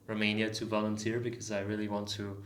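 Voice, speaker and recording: A man's voice: lowish voice, completely flat delivery, fast talker, a bit bright. A man of twenty, a volunteer guest on a podcast, rambling with many fillers. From Denmark. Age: 20s. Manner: rambling with "uh" and "like", restarts. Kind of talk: casual podcast chat. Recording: echoey room.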